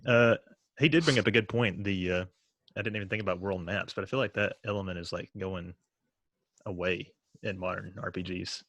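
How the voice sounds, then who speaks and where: Deep-voiced laid-back podcast host. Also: male voice, brisk, a bit bright, slight background noise. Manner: laid-back, laughs often. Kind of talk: late-night casual podcast chat.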